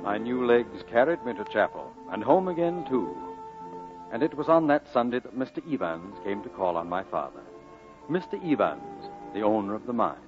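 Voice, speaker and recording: A reflective narrator of an old radio play. His voice is fairly low, with music clearly underneath. The recording is muffled and vintage. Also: big pitch swings, normal speed. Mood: wistful. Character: reflective grown man recalling his boyhood. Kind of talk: 1940s radio drama narration.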